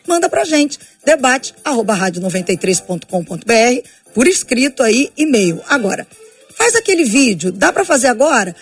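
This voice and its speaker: High-voiced woman radio co-host. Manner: earnest, inviting listener messages. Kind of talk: radio announcement.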